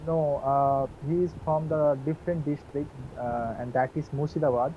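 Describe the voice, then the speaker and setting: A man in his twenties from West Bengal with a Bengali accent, practising English on a video call, polite and hesitant with many pauses. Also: on the high side, fairly even intonation, phone-quality sound, slight background noise. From West Bengal, India. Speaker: English learner.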